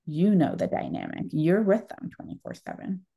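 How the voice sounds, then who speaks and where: Low, mellow-voiced woman audiologist host. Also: huge pitch swings, moderate pace, gravelly. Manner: earnest, emphatic advice-giving. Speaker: podcast host, pediatric audiologist. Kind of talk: conversational interview.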